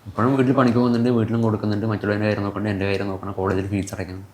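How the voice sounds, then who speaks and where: Fast-talking nineteen-year-old man, echoey room. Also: lowish voice, little pitch movement, darkish tone. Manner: rambling, self-correcting answers with many fillers. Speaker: vlogger being interviewed. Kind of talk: casual interview answers. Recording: echoey room with faint background noise.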